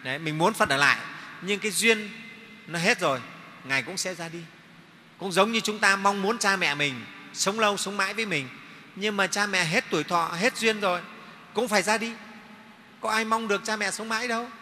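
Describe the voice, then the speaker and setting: A monk delivers a dharma talk with a bright, forceful tone that sits a little high for a man. He drives his points home with everyday examples and keeps checking that his listeners follow. His voice carries a long reverb from a large hall. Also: normal speed, a little hiss or hum. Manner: explains with homely examples and repeated "nghe không?" check-ins. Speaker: Buddhist monk teaching.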